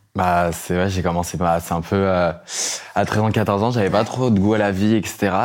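A man talks at a very deep, low pitch and a moderate pace. His intonation is fairly even, and his loudness stays very even. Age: 20s. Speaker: YouTuber and singer. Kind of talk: casual chat.

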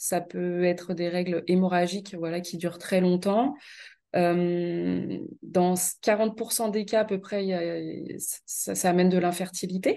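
Against a quiet background, a woman with a fairly low pitch and dark, mellow tone talks very slowly with fairly even intonation. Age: 30s. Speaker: health coach. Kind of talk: testimony. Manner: halting.

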